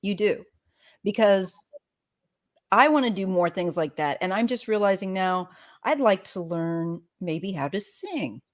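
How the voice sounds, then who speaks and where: A woman's voice: mid-range voice, animated, unhurried. An older woman hosting a casual live chat, encouraging her guest with frequent affirmations. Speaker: host.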